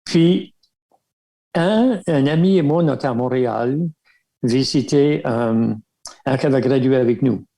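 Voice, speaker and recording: An older man with an Acadian French accent from Baie Sainte-Marie, telling stories from his life in a relaxed interview, with many small fillers and chuckles. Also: mid-range voice, measured pace, creaky, low-quality recording. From Baie Sainte-Marie, Nova Scotia. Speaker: guest, religious brother. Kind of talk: casual storytelling interview.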